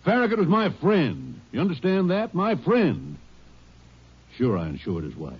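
Old muffled radio western: defensive shopkeeper, husky, argumentative, indignant. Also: male voice, on the high side, huge pitch swings, unhurried, heavily acted. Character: defensive, belligerent hardware store owner under suspicion. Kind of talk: 1950s radio drama acting.

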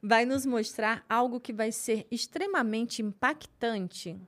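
Slow woman reading viewer questions. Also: a little high. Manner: reads viewer names and questions aloud. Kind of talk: casual live-stream chat.

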